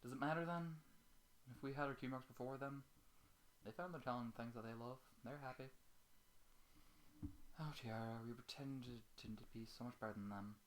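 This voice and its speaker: A man's voice: mid-range voice, fairly quick, long pauses, slight background noise, close to an everyday voice, rough recording. A man reading as a weary, sorrowful young schoolgirl pony in a storybook, subdued and resigned. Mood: wistful, regretful.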